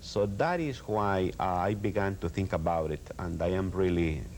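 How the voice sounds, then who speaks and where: In a Spanish accent, a man speaks at a very deep, low pitch with ordinary pitch variation. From El Salvador. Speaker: Lutheran pastor. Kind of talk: TV interview. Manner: halting.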